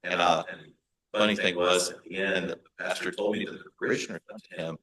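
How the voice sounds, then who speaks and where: A man with a low voice and a Hispanic American accent speaks as a pastor to a church meeting. His tone is bright and forceful, and he talks in a relaxed way, full of fillers and restarts. The sound bounces around an echoey meeting room. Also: brisk. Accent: Hispanic American English.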